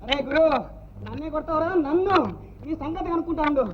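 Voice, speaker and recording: A man's voice: very high voice, quick pace, muffled recording, crowd noise. An actor playing a cheeky male employee who threatens his boss, cocky, in 1960s film melodrama.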